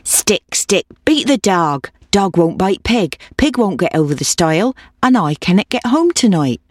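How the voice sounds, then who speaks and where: A woman's voice: mid-range voice, big pitch swings, measured pace, dry recording, studio quality. A woman voicing a fretful old woman who repeats her sing-song pleas. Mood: pleading. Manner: repetitive, sing-song pleading.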